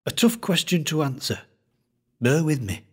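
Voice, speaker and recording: Man doing older Lancashire collector, thick accent, husky, droning yarn-spinner. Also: fairly high pitch, big pitch swings, darkish tone, pitched above the performer's own voice. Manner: slow, droning, storytelling. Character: gruff older male Lancashire collector keeper.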